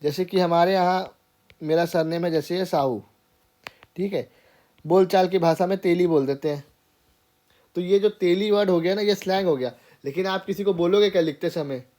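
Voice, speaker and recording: A man's voice: sits high, moderate pace, mellow. A man teaching an informal grammar lesson, explaining step by step and often checking in with his students. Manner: explains step by step, keeps checking in with "theek hai". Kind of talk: informal classroom lecture.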